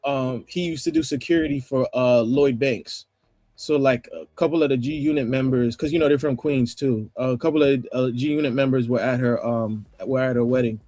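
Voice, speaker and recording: A man with a New York accent talking casually on a livestream panel, rambling, with restarts and throat clearing. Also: mid-range voice, steady tone, a little fast, warm tone, no echo. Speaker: panel guest.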